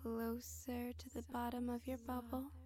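A woman narrating a hypnosis session in a slow, hushed whisper, soothing and repetitive. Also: on the high side, monotone.

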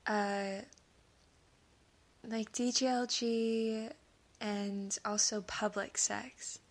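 A woman with a sniffly voice from allergies, rambling in a nervous, halting way, stammering, filling pauses and giggling, sometimes dropping to a whisper. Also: mid-range voice, level tone. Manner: drops into soft whispers at times; giggles often. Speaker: audio creator. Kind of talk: rambling casual monologue.

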